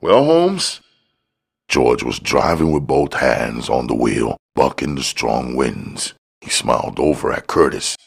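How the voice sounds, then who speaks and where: Man, crime audiobook narration, slow pace, husky, scripted reading. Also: a bass voice.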